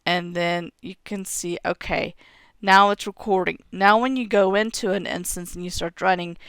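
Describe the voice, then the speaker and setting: This screen-recorded game tutorial comes from a woman in her thirties at home, who has a cough and clears her throat here and there while steadily explaining settings through a headset mic. Her lowish voice is recorded dry.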